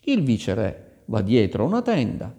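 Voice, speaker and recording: Male storyteller, lively melodic reading, mellow tone, echoing hall. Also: lowish voice, normal speed. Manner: expressive, theatrical storytelling. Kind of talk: reading a fairy tale aloud.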